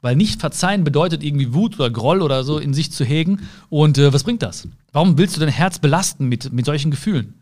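A man's voice: a little high, expressive. Earnest man giving a motivational talk. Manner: earnest, swings between soft slow words and quick asides; addresses the listener directly with repeated phrases. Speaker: motivational speaker. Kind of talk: motivational monologue.

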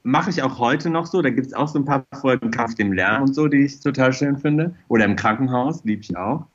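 A man's voice: medium pitch, brisk, muffled recording. A middle-aged man chatting casually as an interview guest, telling personal anecdotes in an enthusiastic, rambling, effusive way. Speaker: interview guest, fashion designer.

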